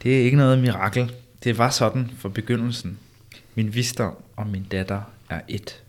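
A man reading the part of the old prophet Elijah in a measured, insistent way, during an amateur read-through. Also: medium pitch, fairly even intonation, lightly acted. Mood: solemn. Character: old male prophet Elijah, calm and solemn.

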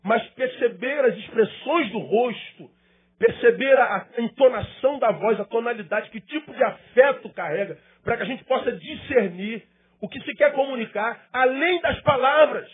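Husky high-voiced male pastor preaching. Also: normal speed, phone-quality sound. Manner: emphatic preaching, rhetorical questions and repetition. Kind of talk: sermon.

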